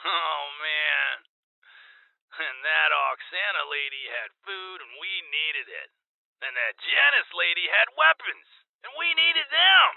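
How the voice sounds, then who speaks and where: An actor playing an over-eager, weird gang bro who insists he is normal, pitching on a tinny radio spot in an audio drama. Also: sing-song, slow, vocal fry, no echo, heavily acted. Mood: shifty, boastful. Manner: over-eager dude-bro, peppers talk with amigo and bro. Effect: tinny radio filter. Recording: tinny narrow-band radio sound.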